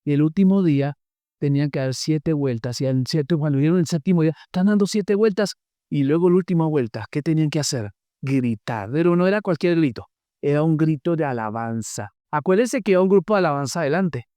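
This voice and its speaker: Preacher going through bible stories, asks the church stuff, cracks jokes, clean smooth voice. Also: medium pitch, a little fast, no echo, clean studio sound. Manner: animated storytelling, asks the congregation questions; joking asides. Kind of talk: sermon.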